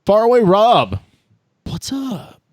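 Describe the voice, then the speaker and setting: A man's voice: sits high, huge pitch swings, slow pace, darkish tone, dry recording, studio quality. A man hosting a tabletop game podcast as game master, chatting casually.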